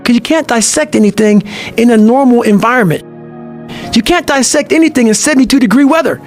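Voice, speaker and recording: A man telling a profane, forceful motivational story in an intense talk, with faint music behind him. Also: extremely high pitch, lively intonation, a little fast. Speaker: motivational speaker.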